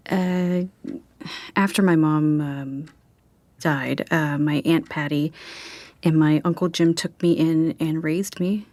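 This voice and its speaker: A woman's voice: low voice, fairly even intonation, slow, a little mellow, no room sound. A woman playing a polite, curious young writer in an audio drama, speaking in a tentative, understated, natural way. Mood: subdued. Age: young adult.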